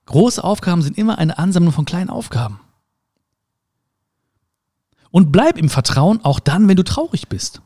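In a high-pitched voice that moves a little fast, a man offers a relaxed motivational talk. He addresses the listener directly, tossing out rhetorical questions and playful sound words with animated energy.

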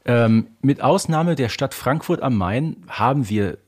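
A man with a husky, slightly rough voice of average pitch speaks as a podcast co-host. He explains points conversationally and likes a rhetorical question. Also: expressive, unhurried, a little mellow.

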